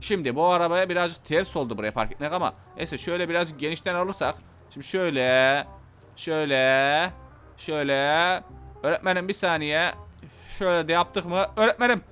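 A man giving casual gameplay commentary, excitable, shouting angry threats one moment and muttering calmly to himself the next. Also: a little high, fairly quick, smooth, faint music behind. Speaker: gameplay YouTuber.

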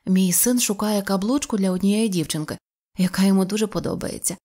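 A woman voicing a gentle, careful mother of a young boy in an audio fairy tale, speaking softly and politely. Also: medium pitch, a little fast, lightly acted. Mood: warm.

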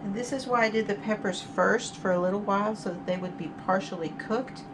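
A woman's voice: mid-range voice, fairly quick. Chatty woman cooking in a noisy kitchen. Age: middle-aged. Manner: chatty, explains each step while cooking. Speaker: cooking channel host. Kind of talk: casual cook-along narration. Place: home kitchen, indoors.

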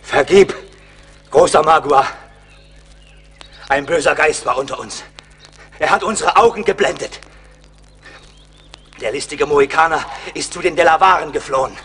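A man's voice: on the high side, normal speed, pauses often, fairly bright tone, slight background noise, lightly acted. A man playing a grave, dramatic tribal warrior in a German radio play. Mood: fearful, apologetic.

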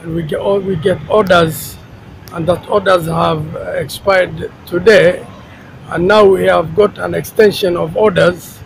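A middle-aged man, a tenant, giving a halting, emphatic statement to reporters outdoors on a city street. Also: high-pitched, fairly even intonation, gravelly, poor audio. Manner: halting, many fillers, grows emphatic. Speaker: tenant speaking to press. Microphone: handheld reporter mics close. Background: traffic and street ambience.

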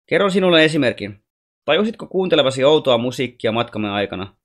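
This is a calm, patient alien boy from the stars, soft-spoken and wise, as a man reads him. He explains things gently, like a teacher in a storybook, in a voice of middling pitch. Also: close to an everyday voice. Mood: gently teaching.

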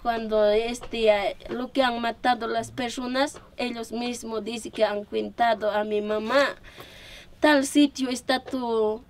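A middle-aged woman from the Ayacucho region with an Andean Peruvian Spanish accent, giving a halting personal testimony in simple phrasing. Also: on the high side, level tone, a little hiss or hum. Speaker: relative of a disappeared man, giving testimony.

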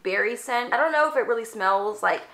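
A woman's voice: fairly high pitch, expressive, brisk, a bit bright. A woman in her twenties, stuffed up and slightly congested, chatting casually through a product haul with lots of "like" fillers, filmed close in a small room. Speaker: beauty vlogger. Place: small indoor room with shelves.

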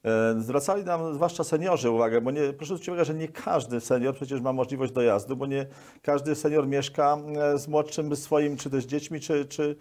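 A Polish man in his sixties, a local government official appearing as an interview guest, answers questions in a brisk, medium-pitched voice with a slightly mellow quality. He is wordy and repeats words mid-sentence, and he's recorded on a lapel mic.

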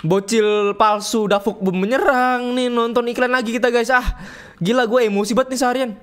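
Young streamer, high-pitched, loud joking banter over a horror game. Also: male voice, steady tone, brisk, clear, resonant tone. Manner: rowdy, joking, slangy, reads game text aloud. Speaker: gaming streamer. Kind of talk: livestream game commentary.

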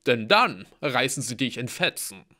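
A man doing a slow, blunt berserker. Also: mid-range voice, big pitch swings, bright, forceful tone. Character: hulking half-born berserker man, blunt and gruff.

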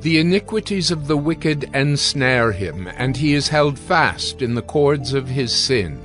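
Man, slow-paced, grave, deliberate, scripture narration, medium pitch, soft music behind. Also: expressive. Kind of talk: dramatized scripture reading.

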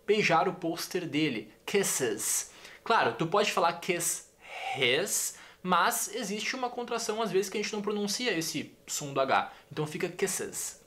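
An enthusiastic young Brazilian man with a Brazilian Portuguese accent runs a casual video lesson. He talks in a chatty way and repeats his examples. His voice sits somewhat high for a man. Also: a bit bright. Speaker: English teacher.

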